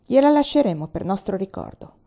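A woman's voice: mid-range voice, very animated, a little fast, warm tone, dull audio. A woman voicing a greedy but easygoing male army sergeant who talks in an offhand, commanding way.

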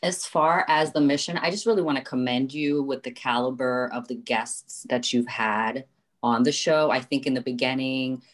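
Very deep-voiced woman on a call. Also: moderate pace. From West Virginia. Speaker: guest director. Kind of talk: casual chat.

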